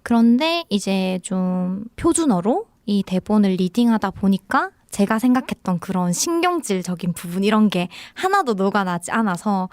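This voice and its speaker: A young woman film director with a Daegu dialect gives a casual radio interview in a radio studio, chatty and reflective, laughing often. Her mid-range voice is darkish with lively intonation, delivered at normal speed with few pauses. There's no room sound.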